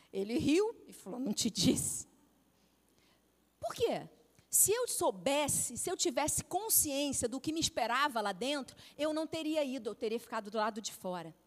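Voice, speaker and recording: High-voiced Brazilian woman preaching in a hall. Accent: Brazilian Portuguese. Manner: storytelling, animated with acted-out quotes. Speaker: pastor's wife preaching. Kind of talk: sermon. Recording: long hall reverb.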